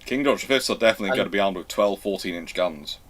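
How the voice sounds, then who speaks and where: A man hosting a live question-and-answer history talk, speaking in a halting, emphatic way as he reworks his phrases. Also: low voice, expressive, a bit bright. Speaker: host answering viewer questions.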